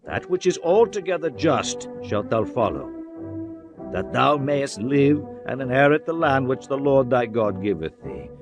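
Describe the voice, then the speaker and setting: A man giving a dramatized Bible reading, in a solemn, measured recitation of archaic scripture. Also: medium pitch, big pitch swings, highs cut off. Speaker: scripture narrator. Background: background music.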